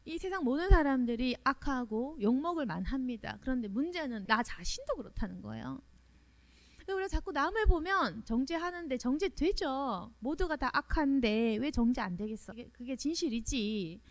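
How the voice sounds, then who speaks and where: A woman pastor preaching a sermon in an animated way, firing off strings of rhetorical questions and laughing now and then. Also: sits high, normal speed.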